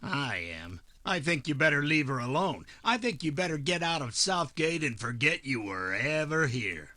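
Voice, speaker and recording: A man's voice: on the high side, big pitch swings, pushed and bright. An actor playing a threatening, tough gunman in a 1940s-style noir radio drama. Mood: menacing. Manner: slow, threatening tough-guy talk. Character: menacing male gunman, tough and protective of a woman.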